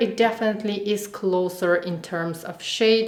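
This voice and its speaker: Noticeable background noise and audible room echo accompany a woman talking at a medium pitch. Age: 30s. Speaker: beauty vlogger. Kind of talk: tutorial. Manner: casual, chatty.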